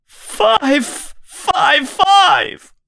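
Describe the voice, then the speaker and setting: A man voicing a tortured grown man who pleads desperately through tears, his cries breaking into shouts. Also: high-pitched, very animated, drawn-out words, breathy edge, pitched above the performer's own voice, exaggerated voice. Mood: anguished pleading. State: crying. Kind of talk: audiobook character voice.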